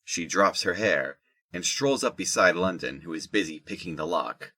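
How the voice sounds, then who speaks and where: A man with a husky voice reading scripted narration for an audio drama. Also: deep voice, lively intonation, moderate pace, bright, forceful tone.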